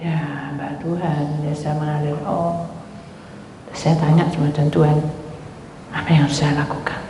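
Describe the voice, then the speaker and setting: A woman pastor, preaching a sermon full of acted-out stories, jumping between loud high cries and hushed asides. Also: level tone, moderate pace, a little hiss or hum. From Indonesia. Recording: echoey hall with long reverb.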